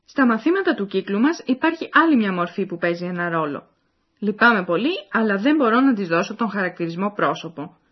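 A woman's voice: medium pitch, expressive. Woman narrating a language lesson. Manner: clear, explaining, addresses listeners. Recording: dull lo-fi recording.

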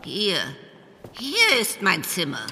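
A woman's voice: mid-range voice, wildly swooping pitch, extremely slow, long reverb tail, noisy background, full character voice. An actress playing a fussy, commanding elderly woman in a care home, giving orders in a radio play. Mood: bossy. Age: older.

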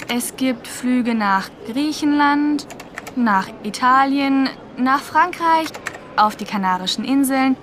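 An actress playing a polite, businesslike airline ticket clerk in a radio drama, helpful and formal. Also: female voice, high-pitched, expressive, slow pace, fairly bright tone, a little hiss or hum, heavily acted. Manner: formal, helpful, clear service talk.

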